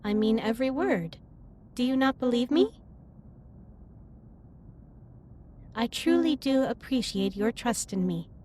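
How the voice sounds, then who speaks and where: A woman playing a caring alien starship captain in a sci-fi audio drama, speaking formally and in measured phrases with gentle reassurance. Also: fairly high pitch, expressive, a little hiss or hum, lightly acted. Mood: gentle, reassuring. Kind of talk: scripted roleplay audio drama, intimate comforting monologue. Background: ambient music.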